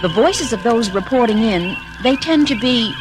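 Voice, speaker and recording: An actress playing a dutiful starship communications officer, polite and attentive, in a 1970s children's audio drama. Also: female voice, a little high, expressive, moderate pace, close to an everyday voice. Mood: dutiful, uneasy. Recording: 1970s record, loud music behind.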